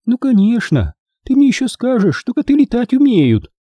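A man putting on a shrill fussy old granny. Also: big pitch swings, moderate pace, mellow, breathy edge, dry recording, exaggerated voice. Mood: grumbling. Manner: shrill and exclaiming. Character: fussy excitable old grandmother.

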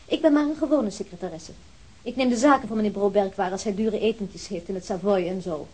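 An actress playing a brisk secretary who speaks drily and sardonically. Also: female voice, mid-range voice, warm tone, a little hiss or hum, close to an everyday voice, low-quality recording. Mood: dry. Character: sharp, ironic young woman secretary. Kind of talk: radio play acting.

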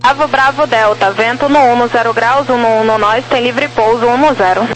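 A man's voice: very high-pitched, moderate pace, fairly bright tone, low-quality recording. A man with a Brazilian accent working as a tower air traffic controller, giving procedural instructions over the radio. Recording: faint hum and radio noise.

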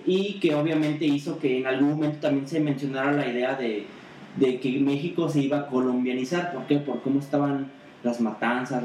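On a podcast, a male co-host with a Mexican Spanish accent rambles through casual political chat, full of hesitations and restarts. His voice is a little high with a darkish tone. The rough recording is echoey and distant, with a faint hiss or hum.

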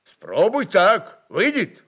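A man voicing a forceful Cossack chieftain in a storybook reading, speaking in curt, authoritative, barking phrases. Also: high voice, huge pitch swings, slow, husky, voice pushed up, full character voice. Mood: teasing command.

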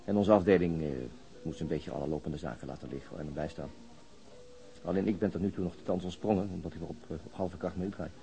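A man's voice: low voice, quick pace, gravelly, dark tone, poor audio. An actor playing a subdued, hesitant, understated policeman in a Dutch radio crime drama. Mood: hesitant, serious. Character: subdued, hesitant male policeman back from hospital.

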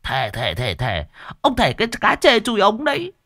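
A man's voice: high-pitched, huge pitch swings, moderate pace, sharp tone, voice pushed up, full character voice. A man voicing a flustered young master who grumbles and stammers. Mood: grumbling.

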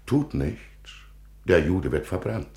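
An actor playing a pompous, zealous old Christian patriarch with preaching emphasis in a 1950s German radio play. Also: male voice, sits low, big pitch swings, takes it slowly, warm tone, heavily acted. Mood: stern, adamant. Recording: echoey 1950s radio studio recording.

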